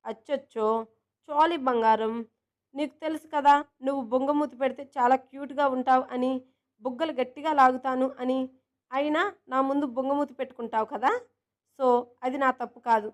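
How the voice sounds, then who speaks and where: An affectionate, teasing girlfriend, put on by a woman narrator; high voice, fond and coaxing. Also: fairly even intonation, brisk, close to an everyday voice. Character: teasing, affectionate young woman friend and coworker.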